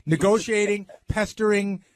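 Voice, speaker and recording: A man's voice: high voice, fairly even intonation, a little slow, no room sound, studio quality. A man on a radio panel, speaking off the cuff in an insistent, argumentative way. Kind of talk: unscripted radio debate.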